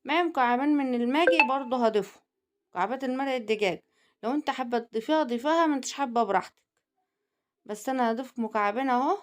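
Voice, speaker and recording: Fast-talking Egyptian woman cooking host. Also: sits high, slight background noise. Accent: Egyptian Arabic. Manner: chatty, teasing, addresses viewers directly. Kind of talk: cooking video narration.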